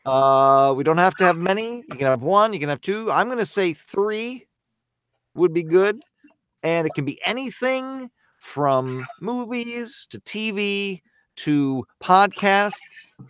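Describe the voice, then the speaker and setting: A man's voice: high voice, animated, slow pace, a bit bright, clear, resonant tone, dry recording, studio quality. A man hosting a podcast, chatting casually with his co-hosts and often fumbling for words. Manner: rambling, friendly, loses his words. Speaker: podcast host. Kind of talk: casual group chat over mics.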